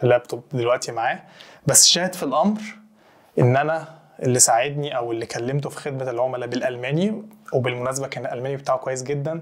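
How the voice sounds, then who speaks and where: At a very fast pace, a man talks in a medium pitch that varies in an ordinary way. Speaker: YouTuber and consultant on life in Germany. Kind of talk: casual vlog monologue. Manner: conversational, informal.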